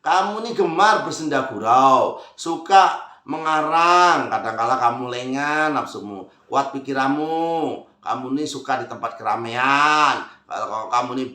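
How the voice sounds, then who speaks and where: Man, casual horoscope reader, mid-pitched, chatty and familiar, echoey room. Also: unhurried, pushed and bright. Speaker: zodiac fortune reader. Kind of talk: casual spoken horoscope reading. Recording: roomy echo.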